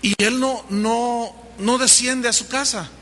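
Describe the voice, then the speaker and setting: High, bright-voiced Mexican pastor preaching. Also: male voice, takes it slowly. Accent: Mexican Spanish. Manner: animated storytelling, acting out dialogue. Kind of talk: sermon. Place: church hall. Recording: long reverb of a large hall.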